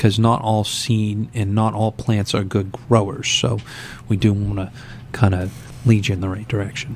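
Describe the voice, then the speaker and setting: A man talks at a moderate pace with fairly even intonation. His voice sits fairly low, and there is noticeable background noise. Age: 40s. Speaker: radio gardening show host, garden center owner. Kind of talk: radio call-in advice show. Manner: casual, many fillers.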